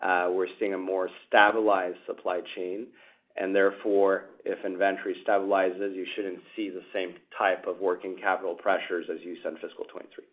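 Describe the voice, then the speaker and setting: A man speaking as a company executive, giving measured, hesitant answers on an earnings call over a tinny phone line. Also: deep voice, little pitch movement. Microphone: telephone conference line.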